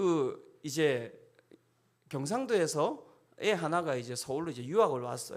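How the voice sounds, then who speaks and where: In a strong Busan accent, a man speaks at a fairly slow pace with lively intonation and big swings in loudness, amid audible room echo. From South Korea, Busan. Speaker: pastor. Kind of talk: sermon. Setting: church. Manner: emphatic, sounds angry to others; repetitive, animated.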